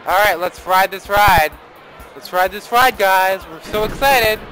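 A man's voice: high-pitched, measured pace, over loud music, a loud crowd, rough recording. A young man casually commenting on his own gameplay, rambling and playfully dramatic, with a desktop mic and faint background noise. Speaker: let's play host.

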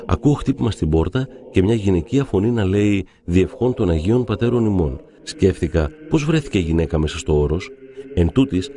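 A man narrating devout stories in a calm, measured reading. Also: low voice. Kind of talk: reverent scripted reading of saints' stories.

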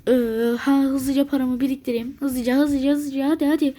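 High-voiced exasperated woman gamer. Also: little pitch movement, moderate pace, dark tone. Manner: exasperated, grumbling at the game; thinking aloud to herself. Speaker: gameplay video maker. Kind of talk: strategy game commentary.

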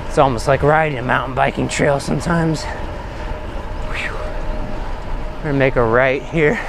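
A man's voice: mid-range voice, fairly even intonation, normal speed, gravelly. A man chatting casually and unscripted as he rides a bicycle, rambling and hesitant as he hosts his vlog. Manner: rambling, hesitant, talking while pedalling. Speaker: cycling vlogger, host. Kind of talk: casual unscripted chat while riding. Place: outdoors on a bicycle on suburban roads. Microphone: body-worn action camera. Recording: outdoor ride with road and traffic noise. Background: faint road and vehicle noise.

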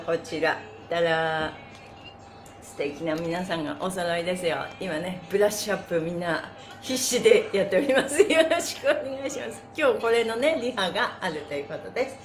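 A woman's voice: mid-range voice, expressive, moderate pace. A middle-aged woman hosting a live stretch class, chatting and instructing in a cheerful, playful, exclamatory way. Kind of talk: live-streamed exercise class and chatty announcements. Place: small bare indoor room with wooden floor. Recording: echoey room with music behind.

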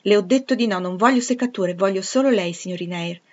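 A woman voicing a stern, commanding middle-aged gentleman who speaks curtly and peremptorily. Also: mid-range voice, fast talker, muffled recording, lightly acted. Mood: peremptory. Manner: peremptory, curt.

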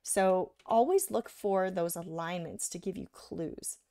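Woman, art teacher, slightly hoarse, gravelly, casual explaining, dry close sound. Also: fairly low pitch, unhurried, mellow, no room sound. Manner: casual, explains while drawing, says "right?" often. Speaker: art instructor. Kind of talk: live drawing tutorial.

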